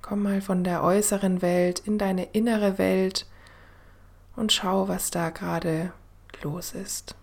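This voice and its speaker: A woman host guiding a meditation in the soothing manner of a sleep story narrator, gentle and unhurried, with a soft, breathy voice that often drops to a near-whisper. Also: medium pitch, steady tone. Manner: gentle, unhurried, with long pauses. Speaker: podcast host and meditation guide.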